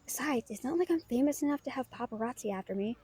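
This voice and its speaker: A woman's voice: fairly high pitch, expressive, quick pace, mellow, slightly rough. A woman playing a casual, friendly female novelist in an audio drama, with an informal, slightly hesitant way of talking. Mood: casual, amused. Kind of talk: naturalistic audio roleplay acting.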